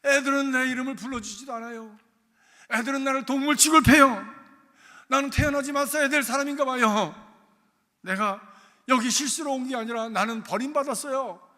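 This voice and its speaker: A man's voice: extremely high pitch, moderate pace, pushed and bright, long reverb tail, pitched above the performer's own voice. A man preacher voicing a lonely, bullied immigrant schoolboy who pleads with God through tears. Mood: tearful pleading. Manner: tearful pleading.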